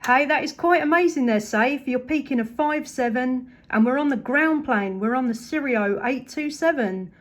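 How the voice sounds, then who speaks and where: Female CB operator, high voice, casual and chatty radio contact from a home station. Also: normal speed, few pauses. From United Kingdom. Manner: upbeat, chatty, appreciative.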